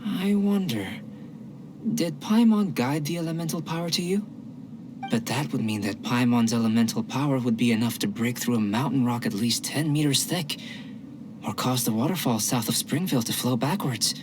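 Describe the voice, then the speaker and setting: Man voicing a calm clinical young alchemist. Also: medium pitch, background noise, close to an everyday voice. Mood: composed. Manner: measured, clinical, politely detached. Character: calm young male alchemist, coolly analytical. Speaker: game character. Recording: game audio with music behind.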